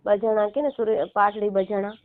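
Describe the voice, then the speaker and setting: A woman in her thirties from Gujarat with a Gujarati accent, explaining haltingly and repetitively as a caller seeking help. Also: medium pitch, steady tone. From Gujarat, India. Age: 30s. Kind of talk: casual phone conversation. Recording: narrow, muffled phone-call line.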